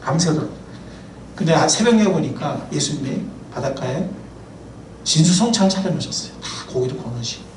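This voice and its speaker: A man preaching a sermon, a pastor and professor who talks in a lively, chatty way and keeps asking the congregation questions. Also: fairly high pitch, brisk, a little hiss or hum. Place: church sanctuary. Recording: roomy, distant mic, faint ambience.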